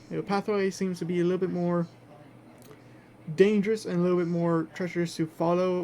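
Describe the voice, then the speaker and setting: A man acting as game master in a tabletop game, improvising narration in a halting way as he searches for words. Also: a little high, gravelly, a little mellow. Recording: faint background noise.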